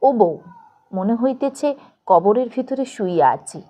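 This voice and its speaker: A preachy poor husband from an audio story, acted out by a woman. He talks in rustic colloquial dialect, piously explaining. The voice is fairly high and mellow, with animated swings. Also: slow. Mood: preachy, earnest.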